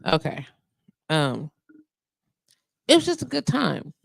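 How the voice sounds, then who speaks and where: A woman's voice: low-pitched, huge pitch swings, takes it slowly, gravelly, no room sound. A woman in her forties hosting a live radio show, talking casually and rambling with asides and laughs into a studio microphone. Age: 40s.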